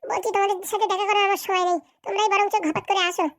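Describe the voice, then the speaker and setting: A woman voicing an arrogant, brusque female politician in a comedy cartoon, with a rural Bengali accent and a pitched-up voice. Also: little pitch movement, very fast, no room sound, studio quality. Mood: haughty. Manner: brusque, haughty.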